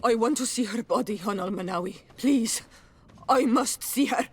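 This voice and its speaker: A woman's voice: fairly high pitch, moderate pace, husky. A woman acting a proud, passionate young tribal princess, solemn and direct, in a video game. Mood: pleading.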